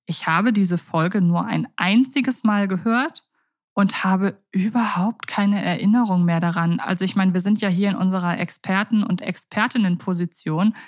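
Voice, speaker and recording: A woman co-hosting a podcast, talking in a chatty way and thinking aloud with fillers. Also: mid-range voice. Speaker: podcast co-host. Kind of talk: casual podcast discussion.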